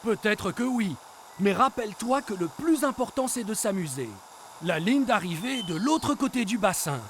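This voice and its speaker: An actor as a lively, kindly grandpa. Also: medium pitch, moderate pace, slight background noise, lightly acted. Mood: encouraging. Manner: gentle, reassuring, patient. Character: kindly, encouraging grandfather to small boy. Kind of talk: children's cartoon dialogue.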